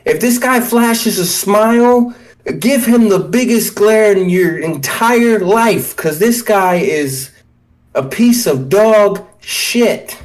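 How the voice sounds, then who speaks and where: A man's voice: sits high, lively intonation, takes it slowly. A man co-hosting a casual podcast, ranting in a heated, profane way. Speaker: podcast co-host.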